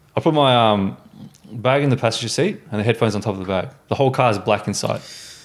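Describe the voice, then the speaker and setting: Talking at a very fast pace in an Australian accent, a man holds a medium pitch with ordinary pitch variation. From Australia, Melbourne (Dandenong). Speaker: friend of host. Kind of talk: casual chat.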